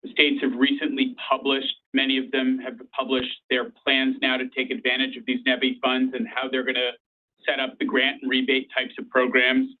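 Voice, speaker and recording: A man's voice: mid-range voice, completely flat delivery, normal speed. A man speaking as a company executive, giving an informal explanatory answer on an earnings call. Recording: tinny narrow phone line.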